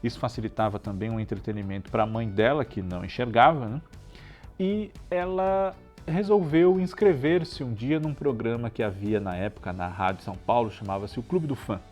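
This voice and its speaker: A man's voice: medium pitch, normal speed, a little mellow, soft background music. A man with a Brazilian Portuguese accent hosting a tribute show, talking conversationally to viewers and often adding chatty tag questions. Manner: chatty, frequent tag questions seeking agreement. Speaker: show host.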